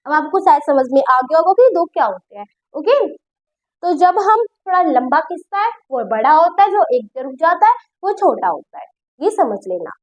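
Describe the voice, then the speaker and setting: A woman with a very high, lively voice gives a grammar lesson. She is patient and repeats each point, and she keeps checking that her students follow along. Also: normal speed, highs cut off. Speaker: Hindi grammar teacher. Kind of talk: classroom-style lesson explaining at a board.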